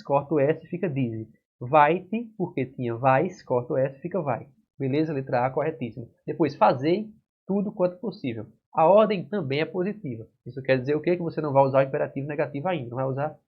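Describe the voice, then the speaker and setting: At the whiteboard, a Brazilian-accented man prepping students for an exam goes through verb conjugations in a fairly high voice with a breathy edge. Each step is explained carefully and punctuated by "certo?" and "né?" checks; the classroom recording sounds dull and lo-fi.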